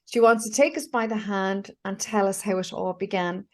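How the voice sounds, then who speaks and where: Hosting an informal online interview, a woman in her fifties sounds eager, often using fillers and starting her sentences over. She speaks in a mid-range voice with a steady tone and a moderate pace.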